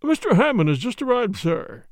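A man's voice: very high-pitched, sing-song, normal speed, no room sound, clean studio sound, pitched above the performer's own voice. A man voicing a formal, deferential butler in a storybook reading.

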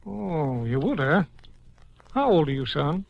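Old shopkeeper, folksy drawl, kinda high voice, muffled radio play. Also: male voice, sing-song, a little slow, creaky, full character voice. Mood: skeptical, firm. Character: folksy, firm old small-town liquor store keeper. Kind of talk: 1950s radio drama acting. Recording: muffled 1950s radio recording.

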